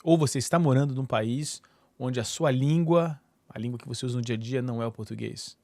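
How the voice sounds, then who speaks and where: A middle-aged man from Brazil talks loosely to his viewers, hopping between restarts and fillers. His voice sits at an ordinary middle pitch. The recording is dry and close, with no room sound. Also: brisk, warm tone, dry recording. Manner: rambling, many fillers and restarts. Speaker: YouTube channel host. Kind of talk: casual solo talk to camera.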